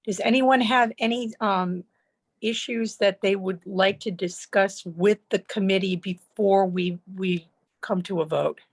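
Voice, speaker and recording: A woman chairing a public committee meeting in a polite, brisk, procedural way. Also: medium pitch, steady tone.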